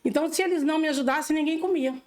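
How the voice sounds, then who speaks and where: Earnest woman with a high voice. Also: racing, a little mellow. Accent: Brazilian Portuguese. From Bahia, Brazil, raised in Minas Gerais. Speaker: political candidate, interview guest. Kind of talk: casual interview talk.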